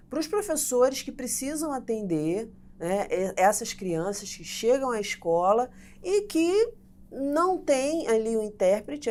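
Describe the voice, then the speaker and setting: A woman's voice: medium pitch, a little mellow. A woman hosting an interview, agreeing with and summing up her guest's points. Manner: affirming, sums up guest's points. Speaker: interview host.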